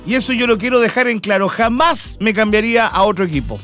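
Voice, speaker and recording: A man hosting radio with a fairly high voice, bantering in a playful, jokey way and breaking into a sing-song lilt. Music plays clearly behind him in the studio. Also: lively intonation, fast, pushed and bright. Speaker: radio host.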